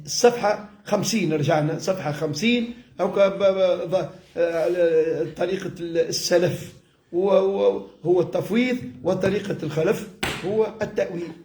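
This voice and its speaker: Male religious teacher, Tunisian accent, notably high voice. Informal, explanatory delivery that rephrases points, recorded in a reverberant room. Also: a little mellow, a little hiss or hum. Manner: explanatory, repeats and rephrases with everyday examples. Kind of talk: informal religious lesson mixing classical Arabic and dialect. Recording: echoey room.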